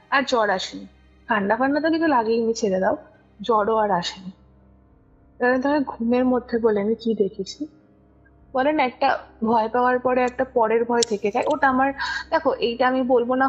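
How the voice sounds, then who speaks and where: A woman's voice: fairly high pitch, slightly rough. A young woman tells a personal story casually and conversationally, often checking that her listener follows. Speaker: guest recounting a personal ghost experience. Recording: muffled lo-fi audio over music. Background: music.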